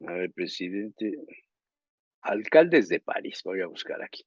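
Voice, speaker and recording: A Mexican journalist co-hosting a talk show, telling long anecdotes and often pausing to search for words. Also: male voice, sits low, sing-song, darkish tone, breathy edge, no room sound, lo-fi sound. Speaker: journalist co-host. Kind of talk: casual talk show chat.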